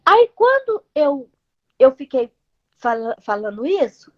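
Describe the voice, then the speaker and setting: A Brazilian woman telling her near-death experience in a halting, repetitive way, sometimes tearful. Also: high-pitched, very animated, muffled recording. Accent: Brazilian Portuguese. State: tearful at times. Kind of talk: emotional personal testimony.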